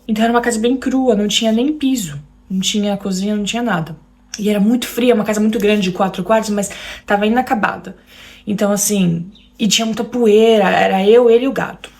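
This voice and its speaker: Gravelly Brazilian woman telling her story. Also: medium pitch, darkish tone. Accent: Brazilian Portuguese. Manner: emotional, keeps addressing listeners directly. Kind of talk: personal storytelling to an audience.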